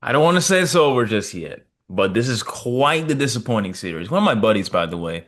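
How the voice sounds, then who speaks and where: A man's voice: medium pitch, big pitch swings, fairly quick, fairly bright tone. A man co-hosting a casual sports podcast, talking in a let-down way with plenty of asides. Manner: disappointed, talks with fillers and asides. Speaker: podcast co-host.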